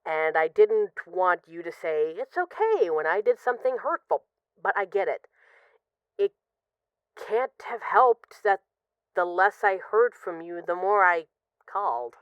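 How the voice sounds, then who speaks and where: A woman playing an apologetic, lovesick mafia boss who is guarded but vulnerable, speaking haltingly and confessionally in an intimate audio roleplay phone call. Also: lowish voice, expressive, clean tone, dry recording. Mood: wistful, hesitant. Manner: halting, confessional, with pauses and sighs.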